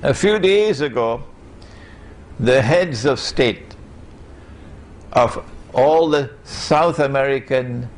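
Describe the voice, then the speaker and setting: A man's voice: medium pitch, takes it slowly, long pauses. A man from Trinidad and Tobago, giving a public lecture in an emphatic way and putting rhetorical questions to his audience.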